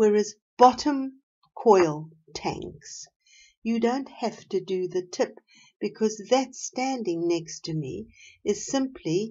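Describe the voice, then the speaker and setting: Speaking at a very slow pace, a woman uses a fairly high pitch and a somewhat breathy voice. Her pitch swings very widely. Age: 60s. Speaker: vaping video blogger. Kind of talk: casual product chat to camera. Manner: relaxed, conversational.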